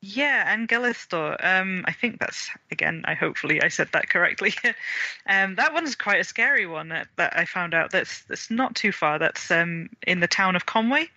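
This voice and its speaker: A man from Wales chats with a very bright, somewhat high voice. He hedges and restarts often, laughing lightly between thoughts. The sound is dry and dull, like a lo-fi video call. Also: lively intonation, moderate pace, no room sound. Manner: hesitant, many fillers and restarts, laughs often. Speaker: author and illustrator guest. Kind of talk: casual interview chat.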